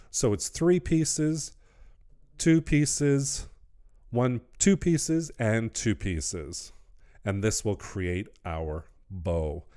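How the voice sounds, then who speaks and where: Speaking at a medium pitch with a slightly mellow quality, a middle-aged wreath-making channel host narrates a craft tutorial. He explains every step cheerfully, in the manner of a teacher.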